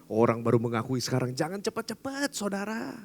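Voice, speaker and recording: A man's voice: medium pitch, sing-song, fairly quick. A man pastor preaching a sermon in a casual, conversational storytelling manner. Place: church service.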